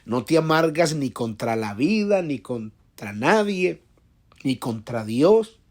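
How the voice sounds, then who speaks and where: A male pastor gives an earnest devotional sermon in a somewhat high voice. He repeats himself and restarts his sentences often as he works through his points. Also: very animated, takes it slowly, darkish tone. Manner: earnest, repetitive, with frequent restarts.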